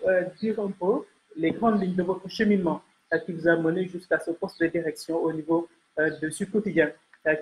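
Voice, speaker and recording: A woman's voice: lowish voice, rough recording. A woman presenting a panel interview as host, speaking in a formal, courteous way. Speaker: host and journalist.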